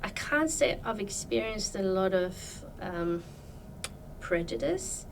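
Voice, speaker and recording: A woman's voice: mid-range voice, expressive, takes it slowly, creaky, distant mic, slight background noise, poor audio. A woman from Iran, a podcast guest, talking about her life in a thoughtful, hesitant way with many fillers. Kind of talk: casual interview chat.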